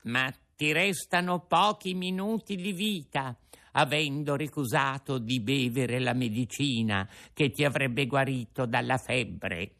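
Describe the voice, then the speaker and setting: A man voicing grim black rabbit undertakers in a storybook reading, quiet and muttering. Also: mid-range voice, a little slow, creaky, pitched above the performer's own voice.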